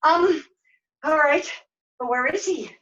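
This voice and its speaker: A woman playing a flustered, forgetful but plucky young heroine in a puppet show, halting and excitable. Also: high voice, pitched above the performer's own voice. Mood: nervous. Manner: halting, excitable, self-questioning. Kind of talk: puppet show character acting. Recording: dull, lo-fi sound.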